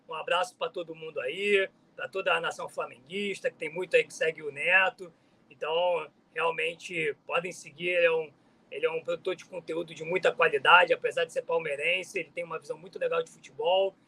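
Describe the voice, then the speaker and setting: An upbeat man guests on a casual football chat, greeting viewers in a friendly way. His voice is high and bright, with a forceful edge. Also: steady tone, fairly quick, creaky, breathy edge, poor audio. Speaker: guest channel host, Flamengo fan.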